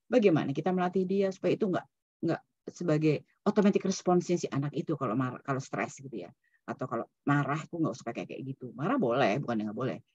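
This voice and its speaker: Over a video call, a female psychologist delivers an online seminar lecture in a deep, slightly mellow, slightly rough voice. She keeps things loose and conversational, weaving in English terms and closing sentences with "gitu ya," and the recording is dry and muffled.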